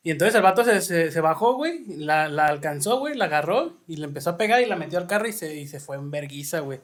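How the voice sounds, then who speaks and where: A man with a Mexican accent co-hosting a podcast, telling a story in quick slangy casual chat. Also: a little high, expressive. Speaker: podcast co-host.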